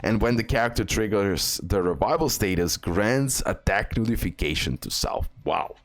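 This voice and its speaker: Brief: low-voiced male gaming host, casual reading of game stats with ums. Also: animated, moderate pace. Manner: reads skill text aloud with fillers and restarts. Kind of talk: game tier list commentary.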